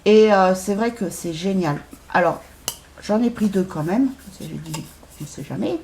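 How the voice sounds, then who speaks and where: A woman's voice: medium pitch, normal speed, a little mellow, slight background noise. A middle-aged woman chatting casually in a shopping haul video, hesitant with lots of fillers. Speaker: haul vlogger. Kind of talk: casual chat.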